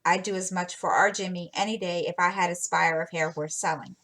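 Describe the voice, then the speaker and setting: A woman's voice: fairly low pitch, steady tone, fairly quick, fairly bright tone. A woman reading the lines of a kind, middle-aged shopkeeper's wife. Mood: kindly. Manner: kindly, coaxing.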